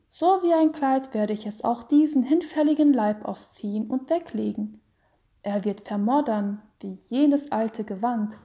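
A woman voicing a weak, dying young mother. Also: on the high side. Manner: soft, weak, half-whispered. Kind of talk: storybook reading.

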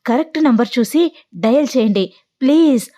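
A man's voice: extremely high pitch, lively intonation, moderate pace, mellow. A woman voicing a flustered young man on the phone, politely insisting it is a wrong number. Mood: exasperated. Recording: dull lo-fi audio.

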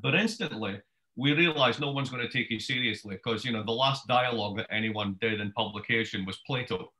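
A Scottish man in his fifties giving a wry, brisk book talk over a video call from his home study. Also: medium pitch, poor audio. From Scotland. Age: 50s. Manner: brisk, wry storyteller with lively gestures. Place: home study with bookshelves, indoors. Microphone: webcam video call.

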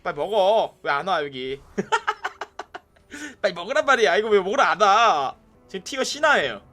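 A young adult man giving excitable live commentary on a mobile game, yelling at teammates in bursts and chatting with viewers, with faint music behind. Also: sits high, normal speed.

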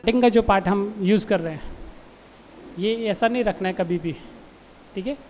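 A man's voice: high-pitched, normal speed, darkish tone, faint music behind. A man gives dance notes to young contestants and keeps checking that they understood. The recording is dull and lo-fi. A long hall reverb trails behind each line. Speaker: dance judge. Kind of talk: giving feedback.

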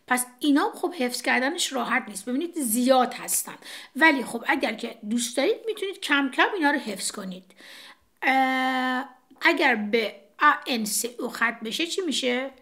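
Brief: woman French teacher, slightly high voice, walks through examples on a board. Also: animated, bright, forceful tone. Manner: explains step by step, pointing to a board. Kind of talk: casual classroom explanation.

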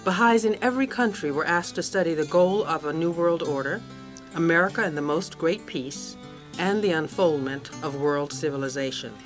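A woman's voice: sits low, moderate pace. A woman reading scripted documentary narration in a formal newsreel style. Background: soft plucked guitar music.

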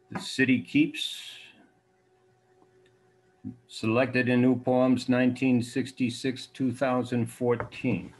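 An elderly man presents his poetry at a slow pace. His delivery is deliberate and halting, with a mid-range pitch. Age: 70s. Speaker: poet. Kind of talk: introducing and reading own poetry. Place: dark room indoors.

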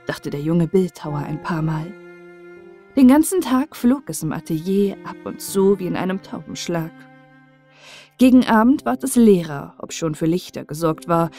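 A woman narrating a sad fairy tale as an audiobook, calm and steady for bedtime listening. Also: mid-range voice.

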